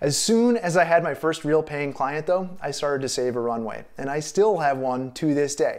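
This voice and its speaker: A man talks at a moderate pace with a fairly high pitch and lively intonation. He has an American accent, and the background is quiet. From New York State, US. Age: 40s. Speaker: architect and course creator; course creator. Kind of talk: scripted narration. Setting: in his studio. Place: home room.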